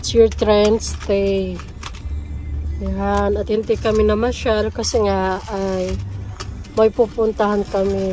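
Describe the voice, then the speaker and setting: A woman's voice: mid-range voice, dark tone. A young Filipino woman chatting casually as a vlogger and mother in a home family video. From Philippines. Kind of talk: casual family vlog chat.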